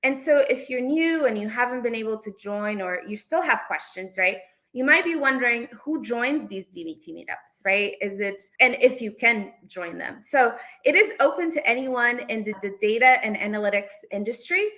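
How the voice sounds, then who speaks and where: Bright-voiced woman presenter from Portugal. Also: fairly high pitch, expressive, normal speed, few pauses, poor audio. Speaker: events manager presenting a talk. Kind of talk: informal online presentation.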